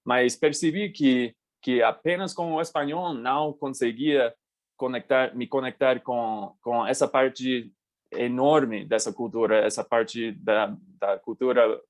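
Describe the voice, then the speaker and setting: Guest voice: American man, native English speaker, mid-pitched, halting second-language delivery. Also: fairly even intonation. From United States. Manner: halting, restarts words while searching. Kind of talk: casual interview.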